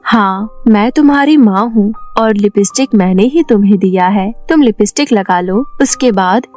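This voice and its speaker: Woman voicing a gentle mother spirit. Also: medium pitch, moderate pace, faint music behind, voice pushed down, close to an everyday voice. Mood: tender.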